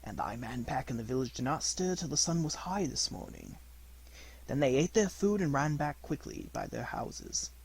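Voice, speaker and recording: A man voicing a proud, menacing black panther in a storybook, speaking in a measured, quietly imperious way. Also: medium pitch, expressive, breathy edge, rough recording. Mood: calm, coaxing.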